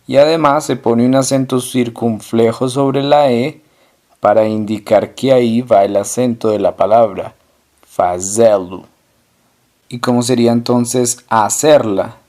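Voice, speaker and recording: A man teaching a language lesson, asking questions and then answering them himself, slowly repeating each example word. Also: medium pitch, fairly even intonation, darkish tone.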